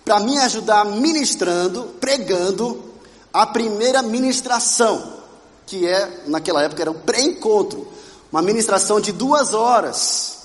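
A Brazilian man preaching to a congregation, telling his own story in a lively way and putting questions to the listeners. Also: high voice, normal speed. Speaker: pastor. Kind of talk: sermon with personal testimony. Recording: reverberant church hall.

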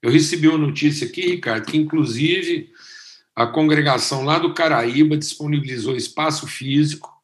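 A Brazilian man preaching as a pastor, talking in a conversational way with animated emphasis. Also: on the high side, a little fast, echoey room. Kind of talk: sermon.

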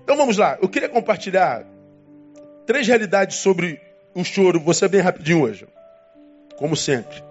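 A man preaching a sermon as pastor, emphatic, with dramatic swings in pitch and long pauses. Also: expressive, lo-fi sound, faint music behind.

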